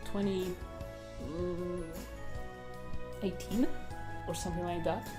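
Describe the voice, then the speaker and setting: Young woman chatting over music. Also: on the low side. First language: Polish. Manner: chatty, rambling, with fillers. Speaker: artist. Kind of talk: casual voice-over commentary. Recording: voice-over with loud background music.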